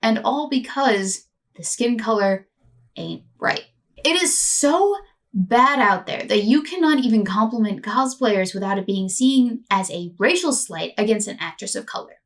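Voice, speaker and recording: A woman's voice: a little high, expressive, unhurried, far from the mic. A woman host narrating a scripted commentary video with a sardonic, mocking edge.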